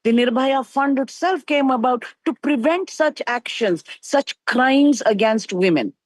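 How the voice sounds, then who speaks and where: A woman with an Indian accent comments on the news as a guest. Her voice sits a little high and she presses her points emphatically. The sound is close and dry. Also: animated, a little slow, no echo. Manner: emphatic, insistent. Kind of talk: opinion in a live news interview.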